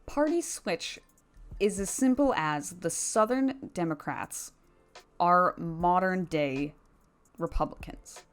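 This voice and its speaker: Lowish-voiced woman giving opinionated commentary. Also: expressive, slow, soft background music. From Canada. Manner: informal, slangy, emphatic. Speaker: video commentary host. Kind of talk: opinionated casual commentary to viewers.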